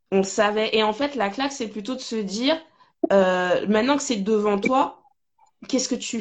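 A woman talks at a moderate pace in a medium pitch. She has a plain, everyday voice with ordinary pitch variation. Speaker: podcast host. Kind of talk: casual chat. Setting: video call.

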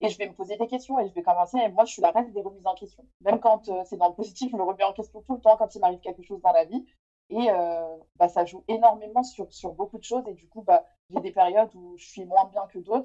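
At a very fast pace, a woman speaks with a dark, mellow tone and ordinary pitch variation. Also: medium pitch for a woman, big swings in loudness. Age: 30s. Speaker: communications professional. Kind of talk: casual chat.

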